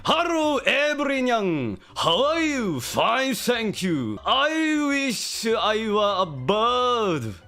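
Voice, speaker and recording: A man doing a high, sing-song anime voice. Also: big pitch swings, drawn-out words, hardly any pauses, bright, forceful tone, full character voice. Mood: wistful. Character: whimsical, dreamy man reciting an anime line.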